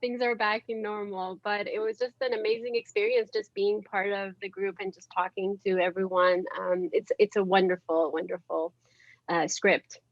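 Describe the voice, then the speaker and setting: A woman with an Iranian accent speaks enthusiastically in an easy panel chat. Her pitch sits in the middle, and the sound is dry and slightly dull, like a video call. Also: fairly even intonation, normal speed, no echo. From Iran. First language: Persian. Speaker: theater artist, panel guest. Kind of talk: casual panel conversation.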